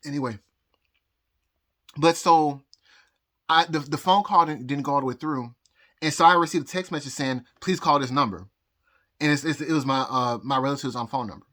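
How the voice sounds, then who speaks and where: A man with a bright, forward voice talks a little high, telling a rambling story into his phone. He stumbles, repeats words, stops to pause and gets out of breath as he goes on. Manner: halting, repeats words, frequent pauses and nervous laughs. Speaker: vlogger. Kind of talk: rambling personal story to camera. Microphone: phone recording.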